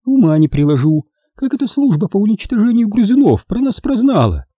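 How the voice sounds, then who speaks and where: A male audiobook reader voicing a fussy, excitable old grandmother who exclaims shrilly. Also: high-pitched, a little fast, dry recording, voice pushed up. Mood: grumbling.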